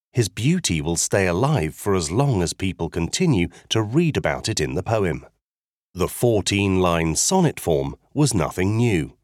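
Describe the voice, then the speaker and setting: A man giving a scripted educational narration about poetry, in a clear, measured explanatory way. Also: low voice, darkish tone, dry recording, clean studio sound.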